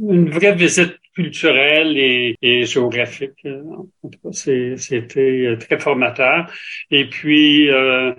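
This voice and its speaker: Older male guest, rambling storyteller, mid-pitched voice. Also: fairly bright tone. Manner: rambling, full of hesitations and restarts. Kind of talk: casual interview chat.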